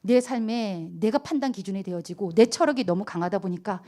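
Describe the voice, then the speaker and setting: A middle-aged woman pastor giving a lively sermon to teenagers, telling stories animatedly and asking the audience frequent questions. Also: mid-range voice, a little fast. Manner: animated storytelling, acting out scolding quotes, frequent questions to the audience. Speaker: youth pastor.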